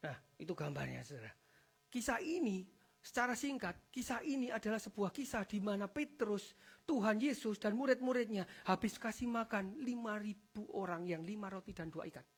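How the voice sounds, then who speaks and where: A pastor with a lilt delivers a spirited church sermon, calling out to the congregation after nearly every phrase. The voice sits in a middling pitch. It surges into loud, emphatic peaks, then drops low and soft for quiet asides. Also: moderate pace, slightly rough. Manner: animated preaching, addresses the congregation as "saudara" after almost every phrase. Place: church service.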